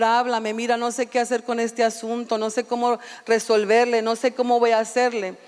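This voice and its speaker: A woman pastor preaching a sermon and reading scripture aloud, often calling out for amens and restarting her phrases. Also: on the high side. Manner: calls for amens, frequent restarts. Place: church sanctuary. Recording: long reverb in a church hall.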